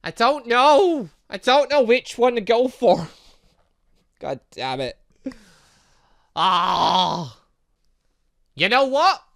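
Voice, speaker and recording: A game playthrough host reading aloud and commenting in a rambling, excitable, self-interrupting way. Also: mid-range voice, very slow, creaky, pauses often. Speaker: gaming video host.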